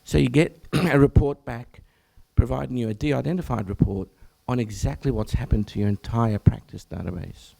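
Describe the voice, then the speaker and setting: Hoarse Australian man giving a health talk. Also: medium pitch, normal speed, hardly any pauses, warm tone. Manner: clears throat often, breaks off and restarts phrases. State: hoarse, croaky from much talking. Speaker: general practitioner presenting at an information session. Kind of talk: presentation to health professionals.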